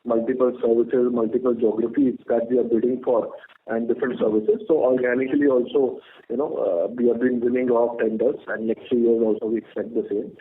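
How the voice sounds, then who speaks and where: Speaking briskly at medium pitch and in a level tone, a man with an Indian accent responds as an executive on an earnings call. The conference call comes over a tinny phone line with noise, and he is firm while repeating filler phrases.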